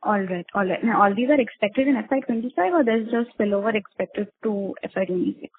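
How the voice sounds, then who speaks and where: Woman, husky voice, caller asking questions, unscripted, narrow muffled telephone audio. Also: mid-range voice, animated, a little fast. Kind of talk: unscripted investor question on a conference call. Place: telephone call. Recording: muffled narrow phone line.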